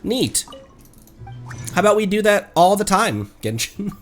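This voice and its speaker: A man chatting casually on a live game stream, playful and quick to react excitedly. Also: high voice. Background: video game music.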